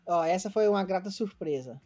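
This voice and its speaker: Faint music plays behind a high, dark-toned male voice that is expressive and brisk. The speaker, a Brazilian man in his late thirties from Goiânia, earnestly and reflectively recounts his story in Brazilian Portuguese on a casual remote interview, with frequent fillers and restarts.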